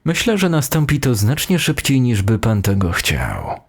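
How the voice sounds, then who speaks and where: A man's voice: medium pitch, wildly swooping pitch, normal speed, gravelly, slightly rough, exaggerated voice. A man reading the part of a stern, threatening detective in an audio horror story, curt and menacing.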